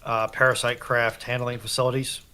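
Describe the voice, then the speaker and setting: A man's voice: medium pitch, level tone, moderate pace, pushed and bright, slight background noise. A man speaking as a panelist in a casual, geeky debate.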